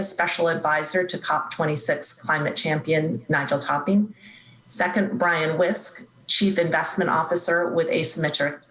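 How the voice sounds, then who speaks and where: A woman's voice: deep voice, fairly bright tone. A woman moderating a formal panel session, introducing and addressing speakers. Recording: roomy, echoing sound.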